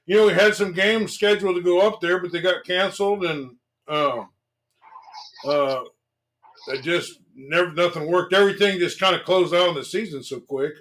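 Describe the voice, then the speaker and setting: A man chats loosely about local games as a sports show host. His voice sits a little high for a man. He trails off and starts over often. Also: normal speed, low-quality recording. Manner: relaxed, lots of fillers and restarts. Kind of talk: casual sports talk.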